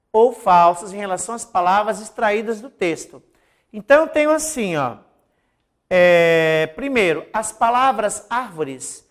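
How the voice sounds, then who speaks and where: A Brazilian woman teacher going through exam questions, asking and answering her own questions and often tagging "né?". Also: medium pitch. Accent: Brazilian Portuguese.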